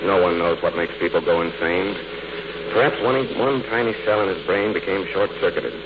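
A muffled old radio drama recording with clear hiss. A man acts a deep, composed gentleman sleuth, measured, reflective and a little wry. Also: natural voice. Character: suave, calm male crime-fighting gentleman sleuth. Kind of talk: 1940s radio drama acting.

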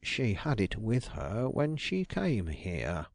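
A man voicing a shrewd, suave older detective who asks his questions slowly and deliberately. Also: lowish voice, sing-song, vocal fry, dry recording, studio quality, full character voice.

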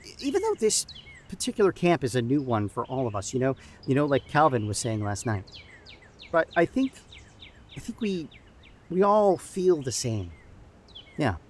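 An actor playing an earnest, encouraging church camp youth leader who haltingly repeats and restarts his phrases in an audio drama. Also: medium pitch, very animated, lightly acted. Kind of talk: improvised-sounding audio drama dialogue. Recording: outdoor background noise with birdsong.

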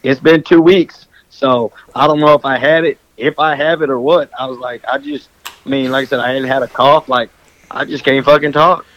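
A man who works as a coach, hoarse and losing his voice, chatting casually and swearing. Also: medium pitch, fairly even intonation, normal speed, fairly bright tone, poor audio. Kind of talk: casual chat.

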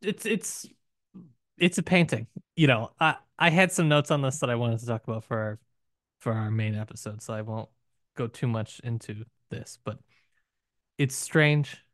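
A man's voice: mid-range voice, a bit bright, no room sound. Musing man talking books, dry close sound. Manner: musing, poses rhetorical questions, halting with filler phrases. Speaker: podcast co-host. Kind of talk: casual literary discussion.

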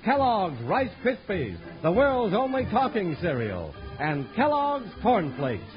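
A man announcing in old-time radio style, reading credits and sponsor plugs in an emphatic, polished pitch. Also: wildly swooping pitch, measured pace. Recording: dull vintage radio recording with music. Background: music.

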